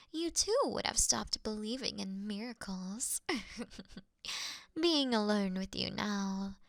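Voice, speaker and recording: Slow, breathy vampire mistress, played by a woman. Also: medium pitch, fairly bright tone, no room sound. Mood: hungry, seductive. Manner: breathy, often whispered, refined and unhurried. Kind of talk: intimate roleplay audio drama, ASMR-like.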